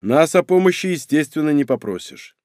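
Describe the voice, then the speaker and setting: Guy narrating as a blunt teasing clan elder, brisk, lively pitch, dry sound. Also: no room sound. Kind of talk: audiobook reading.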